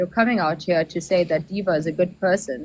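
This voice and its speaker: There is noticeable background noise while the woman, pitched in a medium range, talks with fairly even intonation. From South Africa. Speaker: live stream host. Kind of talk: heated debate. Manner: fast, interrupting.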